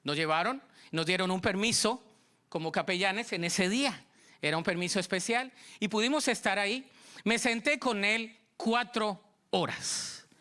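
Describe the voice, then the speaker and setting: Bright, high Colombian preacher man. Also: normal speed. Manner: storytelling, acting out dialogue, animated. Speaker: pastor. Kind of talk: sermon.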